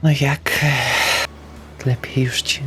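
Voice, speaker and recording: A man's voice: medium pitch, fairly even intonation, slow pace, fairly bright tone, husky, faint music behind. A man speaking in character in a tabletop roleplaying game, hesitant and jumpy, slipping into whispers. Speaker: player.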